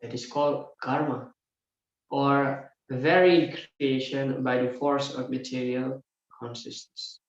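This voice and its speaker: A man teaching a scripture class, explaining verse by verse and often filling pauses with "yeah" and "uh". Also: medium pitch, fairly even intonation. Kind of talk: scripture lecture. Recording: very echoey room, dull lo-fi sound.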